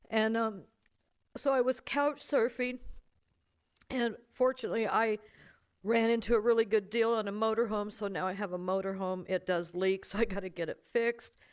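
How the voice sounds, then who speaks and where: Against a quiet background, a woman with an American accent speaks at a moderate pace and a fairly high pitch, with ordinary pitch variation and long, frequent pauses. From US Northwest (Olympia, Washington). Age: 60s. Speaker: public commenter at city council. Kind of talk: public comment testimony. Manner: halting.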